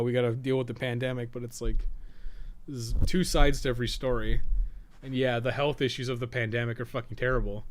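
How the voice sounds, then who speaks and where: Casual, blunt man livestreaming. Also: mid-range voice. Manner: blunt, sweary, opinionated. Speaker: live streamer and podcast co-host. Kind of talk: casual livestream chat and gameplay commentary.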